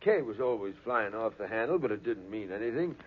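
An actor playing an irritable, evasive husband, curt and stammering, in a 1940s radio drama. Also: male voice, on the low side, expressive, a little fast. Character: defensive, irritable widowed husband with something to hide. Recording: muffled 1940s radio broadcast recording.

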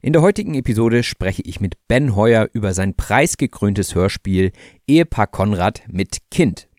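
A man hosting a German-language podcast for learners, speaking in a friendly, clear and measured way. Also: on the low side, expressive, a little mellow, dry recording, studio quality. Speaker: podcast host. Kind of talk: relaxed podcast interview.

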